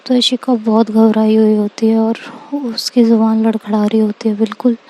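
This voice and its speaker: Brief: woman storyteller, casual and chatty, a bit high with a soft, mellow tone. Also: flat delivery, moderate pace, low-quality recording. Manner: conversational, links every sentence with "to".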